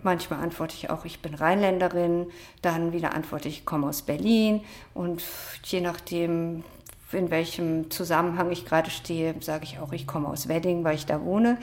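A woman author answering interview questions in a measured, academic way, with frequent hesitation sounds. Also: lowish voice, steady tone, a little mellow. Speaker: author and social scientist, interview guest.

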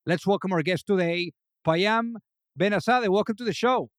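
A man's voice: normal speed, no room sound. Upbeat male podcast host, dry sound. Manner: enthusiastic, rising pitch on greetings; repeats words while forming questions. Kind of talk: upbeat interview hosting.

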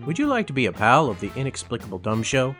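Animated man reading an appeal. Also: mid-range voice, fast talker, over music. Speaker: announcer. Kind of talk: scripted donation appeal.

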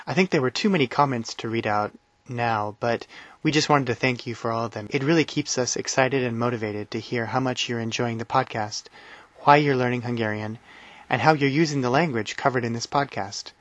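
A man hosting a language-learning podcast in a relaxed, friendly way. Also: medium pitch, fairly quick, dry recording, dull audio. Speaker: podcast host. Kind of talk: casual podcast talk.

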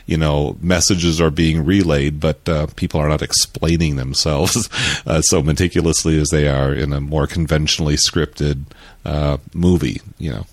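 A man on a podcast panel, reflective and halting, with many fillers as he talks about a film. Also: very deep voice, fairly even intonation, dry recording. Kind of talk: casual film discussion.

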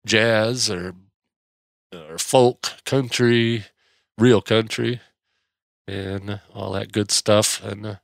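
A man with a fairly low, steady voice talks very slowly, with creaky phonation and long pauses. He's an American podcast host who sounds mildly congested and slightly nasal, rambling through a casual solo chat in a hesitant, folksy way. The recording is dry and clean, with studio quality.

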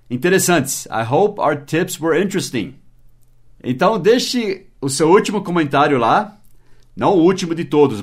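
Man spelling out English words. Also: medium pitch. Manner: spells words letter by letter, switches into slow English examples. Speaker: English teacher. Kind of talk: mini-podcast language lesson.

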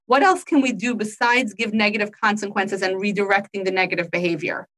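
A woman's voice: medium pitch, brisk, fairly bright tone. A woman hosting a parenting conversation who reads a listener's question and then chimes in playfully, acting out how parents talk to children. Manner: enthusiastic, playful, acts out kids' voices. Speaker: podcast host reading listener questions. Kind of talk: casual conversation.

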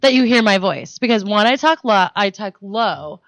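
A woman's voice: mid-range voice, animated, normal speed, dry recording. A woman in her late twenties co-hosting a comedy podcast, speaking in an articulate, self-assured way. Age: 20s. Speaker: podcast co-host. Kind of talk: casual comedic chat.

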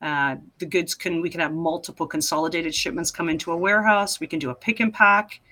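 Bright-voiced Canadian businesswoman. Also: fairly low pitch, fairly even intonation, fairly quick. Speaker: guest, logistics professional. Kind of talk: casual interview answers.

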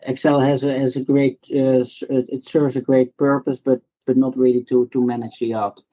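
A man's voice: medium pitch, flat delivery, normal speed, mellow, rough recording. A middle-aged man with a Dutch accent, a startup founder answering interview questions with many restarts and repeated words. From Netherlands.

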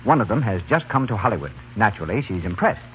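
Brisk man announcing on old-time radio. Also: lowish voice, big pitch swings. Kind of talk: 1930s scripted broadcast announcing. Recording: noisy, tinny 1930s radio broadcast.

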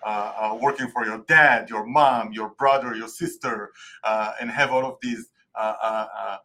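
A man's voice: fairly low pitch, steady tone, normal speed, sharp tone. A man with an Israeli accent, a native Hebrew speaker, answering interview questions in English and often searching for words. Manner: many fillers, searching for words. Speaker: guest tax expert.

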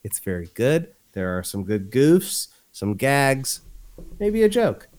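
A man's voice: medium pitch, very animated, slow, darkish tone. A young man co-hosting a podcast in casual chat, swearing freely and laughing often. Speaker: podcast co-host.

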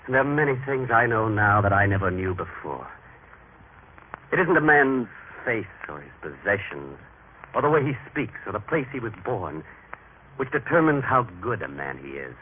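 A man's voice: on the low side, sing-song, normal speed. An actor playing a grateful, repentant injured man, earnest and emotive, in an old religious radio drama. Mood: insistent, heartfelt. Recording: tinny, noisy vintage radio recording.

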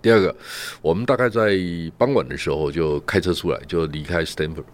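Lively low-voiced man telling stories. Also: fairly quick. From Taiwan. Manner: storytelling, peppers talk with rhetorical "right?" and "ha". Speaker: guest commentator. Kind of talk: casual radio chat.

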